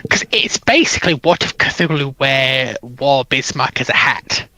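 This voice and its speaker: A man on a panel casually explaining in a halting way, often rephrasing as he goes. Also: medium pitch, animated, sharp tone. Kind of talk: casual explaining of fictional lore.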